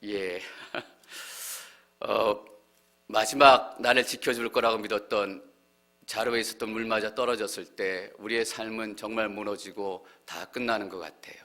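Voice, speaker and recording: Guy pastor preaching a sermon, bright clear voice, gets loud and pleading on the prayer bits. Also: fairly low pitch, steady tone, measured pace. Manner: earnest preaching, swelling louder when voicing prayers.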